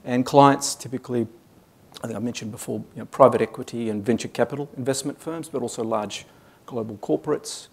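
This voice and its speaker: Gravelly Australian man presenting. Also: mid-range voice, fairly quick. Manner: hesitant, many fillers and restarts. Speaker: conference speaker. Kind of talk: business presentation. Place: conference hall stage.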